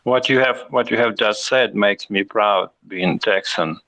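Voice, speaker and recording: A man from Russia with a Russian accent, speaking English haltingly and searching for words. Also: fairly low pitch, pushed and bright, dry recording, poor audio. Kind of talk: casual chat.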